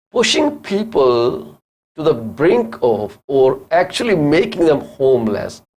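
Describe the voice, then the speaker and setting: A man's voice: medium pitch, darkish tone. A man with an Indian accent hosting a live real estate call-in show, firing off earnest rhetorical questions in a critical tone. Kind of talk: live talk show commentary.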